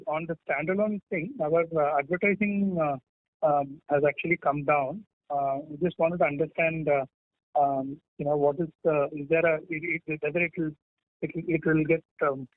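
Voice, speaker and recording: Man, halting investor caller, higher-than-average pitch, narrow telephone sound. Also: no room sound. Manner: halting, hesitant. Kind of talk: question on earnings call. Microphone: phone. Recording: dry tinny phone line.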